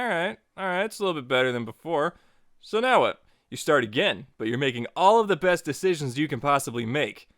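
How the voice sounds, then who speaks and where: A man's voice: on the high side, a bit bright, no echo, clean studio sound. A man narrating a scripted but casual tutorial as its host, with playful, joking asides.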